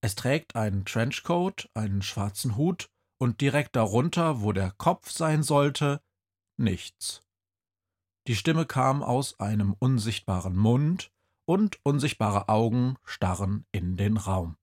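Calm, slow audiobook narrator. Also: mid-range voice.

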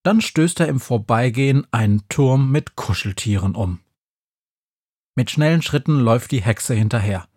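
A man reads a children's story aloud with a lively storyteller's touch. His voice is husky and breathy at a middle pitch, recorded close and completely dry. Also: normal speed, no room sound. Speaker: narrator. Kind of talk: audiobook narration of a children's story.

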